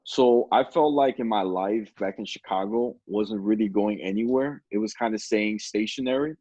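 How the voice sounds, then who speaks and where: A man's voice: fairly low pitch, moderate pace, dark tone, dry recording. A man in his twenties on a video call, telling stories with frequent laughs. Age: 20s. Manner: storytelling, laughs often. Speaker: podcast host. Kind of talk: casual chat on a video call. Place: indoor room at home. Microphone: video call webcam.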